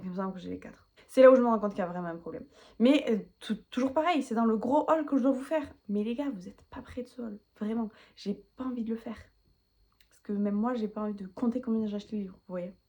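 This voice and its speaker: A woman's voice: mid-range voice, a little mellow. A woman vlogging casually about books she owns but has not read, chatty and self-mocking, rambling with many asides. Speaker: book vlogger. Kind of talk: casual chat to camera.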